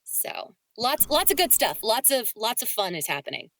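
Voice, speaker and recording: A woman's voice: a little high, big pitch swings, normal speed, a bit bright, a little hiss or hum. A woman voice actor talking casually as a guest in a podcast interview.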